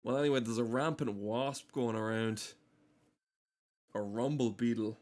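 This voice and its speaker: A man giving casual, rambling gameplay commentary, swearing freely and riffing with dark, irreverent humour. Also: medium pitch, fairly even intonation, unhurried. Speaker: gameplay streamer. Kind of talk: casual, rambling commentary over game cutscenes.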